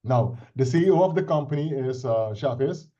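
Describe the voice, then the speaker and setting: A man's voice: medium pitch, animated, moderate pace, mellow. A middle-aged man from Suriname with a Dutch accent, a native Dutch speaker, casually introducing himself and explaining a project on a video call, earnest and full of restarts and "right?" checks. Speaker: IT consultant presenting a crypto project. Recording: dull lo-fi video call audio.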